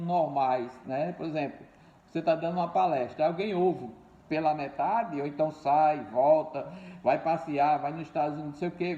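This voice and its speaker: A man's voice: fairly high pitch, mellow. An older man preaching a sermon, repeating key words and calling his listeners dear ones and brothers. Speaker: pastor. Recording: echoey room, dull lo-fi sound.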